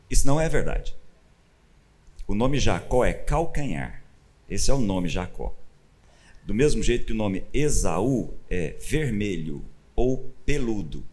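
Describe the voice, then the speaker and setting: Low-voiced Brazilian man teaching scripture. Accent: Brazilian Portuguese. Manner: animated storyteller, acts out quotes with sudden louder bursts. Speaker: pastor. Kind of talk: conversational Bible teaching.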